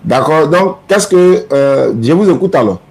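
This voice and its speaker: A man who is a Muslim preacher, taking callers on a live religious talk show and speaking in a calm, unhurried way that repeats things to confirm them. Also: on the high side, breathy edge.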